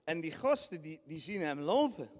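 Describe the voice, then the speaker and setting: A man preaching a lively sermon, acting out scenes with sudden high shrieks and bursts of laughter. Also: normal speed. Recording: long hall reverb in a church.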